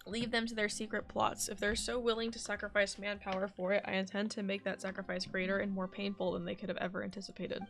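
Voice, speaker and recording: A woman's voice: mid-range voice, flat delivery, quick pace, few pauses, a bit bright. A woman live streamer giving casual commentary on a game and reading its dialogue aloud. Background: game music.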